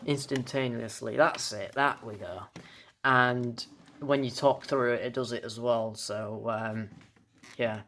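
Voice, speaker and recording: A young British toy collector talks through a collectible in an informal home-style video review. His voice is a typical male mid pitch, steady and fairly bright, and he hesitates, fumbles words and restarts them. There's slight background noise.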